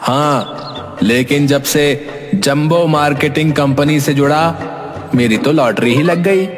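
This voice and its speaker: A man doing a bragging cartoon hustler who pitches to a crowd like a salesman. His voice sits a touch high and sure of itself, with faint music behind it. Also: takes it slowly. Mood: boasting. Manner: boastful, salesman-like. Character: boastful smooth-talking young male schemer. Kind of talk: cartoon voice acting.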